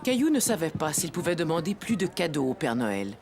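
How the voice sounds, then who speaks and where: A woman narrating a children's cartoon as a gentle storyteller, reading scripted lines in a storybook manner. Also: deep voice, very animated, a little fast, faint music behind. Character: gentle storyteller narrating a little boy's adventures.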